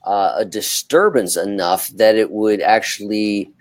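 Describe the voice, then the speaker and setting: Low, dry-sounding man moderating thoughtfully. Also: dry recording. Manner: measured, deliberating, questioning. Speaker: talk show co-host and moderator. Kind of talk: casual discussion moderating.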